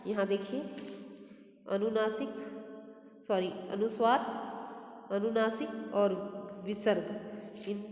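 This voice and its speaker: A woman teacher slowly working through a textbook exercise, spelling out words and correcting herself as she goes. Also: mid-range voice, fairly even intonation, a little mellow. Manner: slow, deliberate word-by-word dictation with self-corrections. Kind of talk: step-by-step textbook lesson. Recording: echoey room with long reverb.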